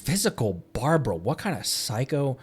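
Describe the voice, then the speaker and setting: A man streaming a game from home, chatting casually, excitable and rambling, laughing often as he talks. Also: medium pitch, normal speed, over music. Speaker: VTuber streamer. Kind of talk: casual gameplay chat.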